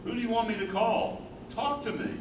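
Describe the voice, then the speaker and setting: A man playing a concerned, gentle, supportive husband in a staged play reading. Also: very high-pitched, a little fast, recorded from a distance. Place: live staged reading in a room. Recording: echoey, noisy room from afar.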